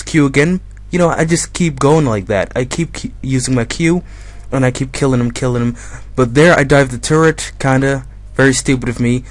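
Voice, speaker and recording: A young man commentating his own game in a casual, rambling way, his voice slightly hoarse from being a bit ill. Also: mid-range voice, dry recording. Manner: chatty, rambling, self-correcting. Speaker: gaming commentator.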